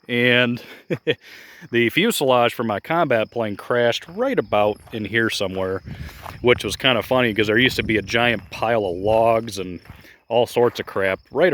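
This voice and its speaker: A model airplane club member gives a casual walking tour of a grassy field outdoors, rambling and chatty with many fillers. He records it on a phone he holds while walking, and his voice is medium-pitched and fairly bright.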